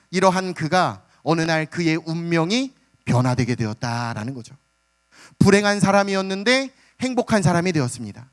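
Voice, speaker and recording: A man preaching a sermon as pastor, telling the story with dramatic flair and calling out to the congregation. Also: high-pitched. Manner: dramatic storytelling, acts out the beggar's cries; calls out "hallelujah" and addresses the congregation.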